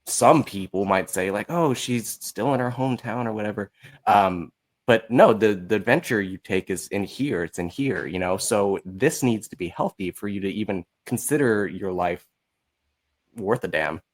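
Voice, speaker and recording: A man's voice: fairly low pitch, animated, normal speed. A man speaking as a podcast guest, telling anecdotes in a candid, casual way with a blunt, self-mocking manner and acting out quoted remarks.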